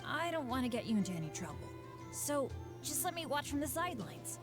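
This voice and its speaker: Earnest, high-voiced boy adventurer. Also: big pitch swings, fairly quick. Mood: sheepish. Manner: earnest, boyish, hesitant. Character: eager, unlucky, self-deprecating teenage boy adventurer. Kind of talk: video game voice acting. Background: game music.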